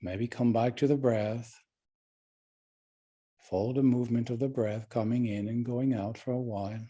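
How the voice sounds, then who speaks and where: A man leading a guided meditation as a teacher, speaking calmly and gently with unhurried pauses. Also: medium pitch, husky.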